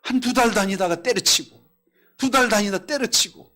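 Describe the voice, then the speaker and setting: A man preaching a Korean sermon at a Friday night service, reading scripture aloud, telling stories and asking the congregation questions, swinging between loud exclamations and quiet asides. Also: sits high, normal speed. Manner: reads scripture in a raised voice. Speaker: pastor. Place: church.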